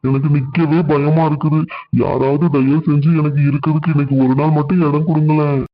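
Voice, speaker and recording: A man's voice: on the high side, little pitch movement, brisk, close to an everyday voice. A man voicing a rich, proud jeweler in a Christian cartoon, wailing and pleading. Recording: dull lo-fi sound.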